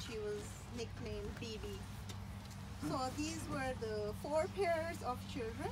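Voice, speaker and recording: A woman delivering a personal eulogy in a tender, reverent, faltering manner, breaking her speech into short halting phrases. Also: a little high, background noise. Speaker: daughter giving a eulogy.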